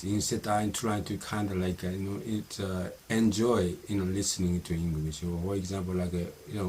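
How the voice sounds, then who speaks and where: Give me a middle-aged Japanese man with an accent and a lowish voice, halting speech with constant fillers, over a faint hiss. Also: darkish tone. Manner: halting, many fillers and restarts. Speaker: vlogger practicing English. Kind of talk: casual solo monologue.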